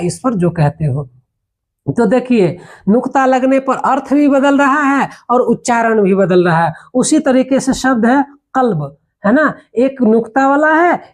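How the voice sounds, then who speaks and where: A patient teacher, a man, explains grammar in a classroom manner. He says each example word slowly and repeats it, and he keeps checking that his listeners are with him. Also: extremely high pitch. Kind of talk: classroom lesson.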